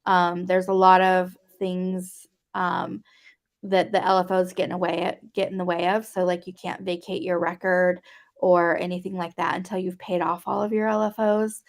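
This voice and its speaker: A woman's voice: fairly low pitch, flat delivery, normal speed, creaky. A woman guest advocate answering interview questions, hesitant with many fillers.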